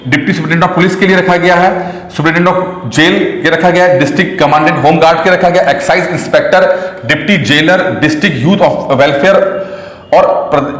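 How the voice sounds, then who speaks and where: A man teaching exam aspirants, chatty and repetitive, mixing English terms into his talk. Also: fairly high pitch. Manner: chatty, repeats points, mixes English terms into Hindi. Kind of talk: explaining exam rules to students. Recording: echoey room with long reverb.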